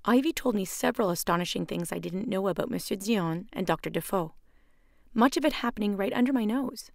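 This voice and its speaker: A woman's voice: mid-range voice, animated, fairly quick, vocal fry, dry recording. A woman voice actor narrating sample readings recorded in a home studio.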